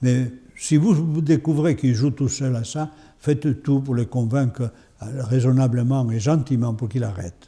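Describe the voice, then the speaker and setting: Speaking at a moderate pace, a man with a medium pitch and a dark, mellow tone sounds somewhat breathy, with ordinary pitch variation. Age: 80s+. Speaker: priest and exorcist. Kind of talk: lecture. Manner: conversational, many verbal tics.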